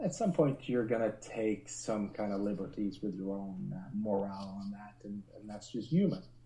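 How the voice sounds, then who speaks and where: A man's dark, mellow tone in a Norwegian accent, with hardly any pauses, big swings in loudness and ordinary pitch variation. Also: fairly low pitch for a man, moderate pace. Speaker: restaurant critic. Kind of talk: casual interview chat. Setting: remote call from abroad. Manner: halting, many fillers.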